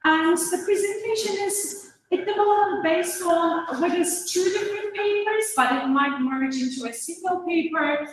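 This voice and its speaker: A woman from Turkey presents research at an academic seminar. Her voice is high, and it reaches a distant microphone through heavy room echo, with faint noise around it. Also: a little slow, hardly any pauses. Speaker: guest academic speaker, university lecturer. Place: university seminar room, indoors.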